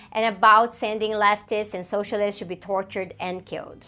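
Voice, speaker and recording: A woman's fairly high voice with a Brazilian Portuguese accent. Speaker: sociologist, political commentator. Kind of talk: political commentary to camera.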